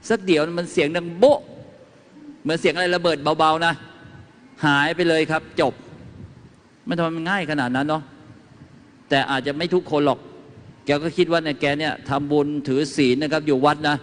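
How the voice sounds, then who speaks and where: A somewhat high, fairly bright male voice delivers a folksy lecture on home remedies before a live audience. Chatty throughout, he tells anecdotes and asks the crowd questions, his words echoing around a reverberant hall.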